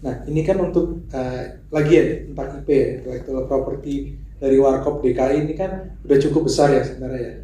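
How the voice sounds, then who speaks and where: A male journalist with a very dark voice asks a long question, stumbling through fillers. The hall echoes, and faint ambience hums behind him. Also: medium pitch, steady tone, brisk, a little hiss or hum. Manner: hesitant, many fillers. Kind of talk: press conference question. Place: press conference room.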